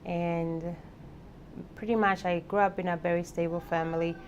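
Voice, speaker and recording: A woman's voice: on the low side, level tone, normal speed, dull audio, slight background noise. A woman from the Dominican Republic, speaking reflectively with hesitant restarts in a documentary interview.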